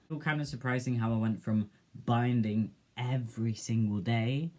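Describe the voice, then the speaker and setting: Soft-spoken young man musing on camera. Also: medium pitch. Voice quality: soft, gentle voice. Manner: reflective, hesitant, with many fillers. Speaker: vlogger. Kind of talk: casual personal vlog.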